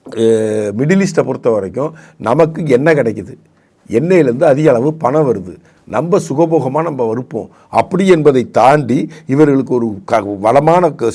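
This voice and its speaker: A man's voice: on the high side, a little mellow. Combative male commentator. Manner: combative, repeats rhetorical questions, frequent self-restarts. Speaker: political commentator. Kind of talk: heated political talk show debate.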